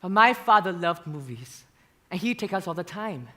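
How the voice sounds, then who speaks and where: A young man acting a stage monologue as a gay male dancer who haltingly confesses his painful past in a theater. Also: sits high, expressive, sharp tone. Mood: hesitant. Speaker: student actor in a stage musical.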